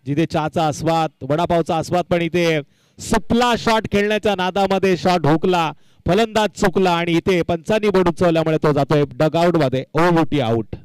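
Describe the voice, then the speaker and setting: Male cricket commentator, smooth resonant voice pitched a little high, emphatic live delivery. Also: normal speed, no room sound, poor audio. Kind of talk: live local tournament cricket commentary with announcements.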